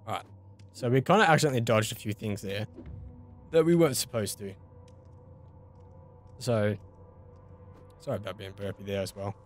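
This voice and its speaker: Laid-back Australian gamer muttering along. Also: male voice, on the low side, moderate pace, pauses often, faint music behind. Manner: casual, muttering thoughts aloud with mild swearing. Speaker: gaming YouTuber. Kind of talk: let's play commentary.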